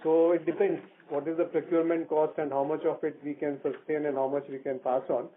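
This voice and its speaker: Indian executive on a tinny phone line. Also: male voice, fairly high pitch, little pitch movement, fairly quick, slight background noise. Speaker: company executive answering analysts. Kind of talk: conference call answers. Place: telephone conference call.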